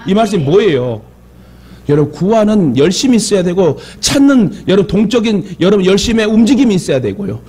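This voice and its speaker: A man's voice: sits high, big pitch swings, fairly quick, mellow, breathy edge. A male pastor with a Jeolla Korean accent, preaching a sermon with joking asides and calls for amens. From Jeolla region of Korea. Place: church sanctuary.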